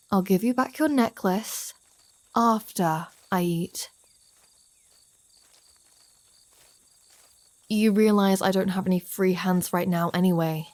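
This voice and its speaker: Slow, teasing vampire woman, acted by a woman. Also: medium pitch, a little mellow, no echo, natural voice. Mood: hungry, threatening. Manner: teasing, sardonic, sweary, drawling. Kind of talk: ASMR roleplay audio drama addressed to the listener.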